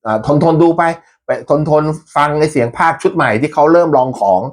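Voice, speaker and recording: A man's voice: on the high side, moderate pace. A man hosting a football fan channel, chatting casually to his viewers in a rambling way, laughing often and swearing a little. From Thailand.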